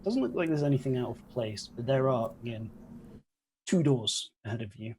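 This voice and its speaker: A young man runs a tabletop game as its game master, describing scenes in an informal, explanatory way. His voice is mid-pitched, recorded at home with faint noise behind it. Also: lively intonation, normal speed, dark tone, poor audio. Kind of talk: casual improvised narration of a tabletop game. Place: indoor room at home, on a video call.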